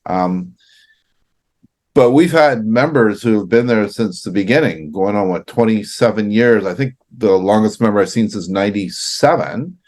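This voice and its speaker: A man's voice: on the low side, normal speed, a little mellow. A man from Canada co-hosting a casual business chat, talking loosely with fillers and restarts. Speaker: co-host.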